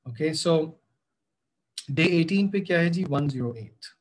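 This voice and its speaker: Quick and lively in intonation, this fairly high-pitched biology teacher with a South Asian accent explains material to pupils in a screen-recorded voice-over, switching between English and Hindi-Urdu. A little hiss or hum can be heard.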